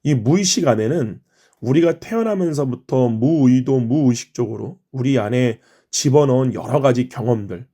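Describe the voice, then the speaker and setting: Soft-spoken male pastor with a mellow voice. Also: mid-range voice, animated, moderate pace. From Chungcheong, Korea. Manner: earnest, explanatory preaching with prayerful phrasing. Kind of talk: morning devotional prayer and sermon.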